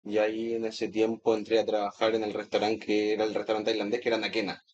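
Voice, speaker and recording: A man's voice: on the low side, monotone, quick pace, darkish tone, dull audio, slight background noise. A Chilean man in his thirties talking casually as a guest sommelier in an interview. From Chile, grew up in Santiago. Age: 30s.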